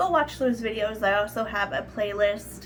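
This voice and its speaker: A woman with a medium pitch uses a plain, everyday voice with ordinary pitch variation. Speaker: vlogger. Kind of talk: casual vlog talk to camera. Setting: apartment bedroom.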